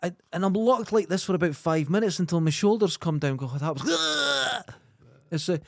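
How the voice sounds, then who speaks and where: A man's voice: high-pitched, moderate pace, creaky, no echo, clean studio sound. Jokey man telling stories. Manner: animated, jokey anecdotes. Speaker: podcast co-host. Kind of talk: casual comedic chat, storytelling.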